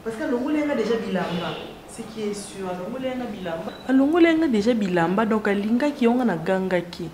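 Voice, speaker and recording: An actress with a Congolese accent playing an outspoken, insistent grown daughter in a family drama. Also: female voice, medium pitch, expressive, fast, natural voice. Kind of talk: acted family drama dialogue. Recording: echoey room with clear background noise.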